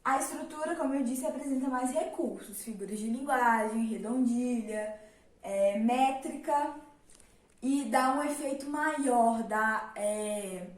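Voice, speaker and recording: A young woman with a fairly high voice teaches a casual literature lesson a little slowly. She's chatty, full of fillers and rhetorical questions, and the recording is roomy with the mic at a distance.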